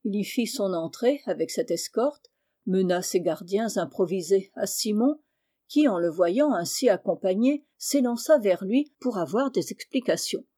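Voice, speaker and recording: A woman reads a classic novel aloud, calm and measured. Her voice is mellow and warm at a middle pitch. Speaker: audiobook reader.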